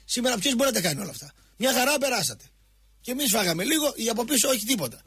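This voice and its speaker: A man's voice: very high voice, sing-song, pushed and bright, slightly rough. A Greek man hosting a radio talk show, ranting heatedly and hammering the same points again and again at his co-host. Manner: impassioned, repetitive, jabbing at a co-host.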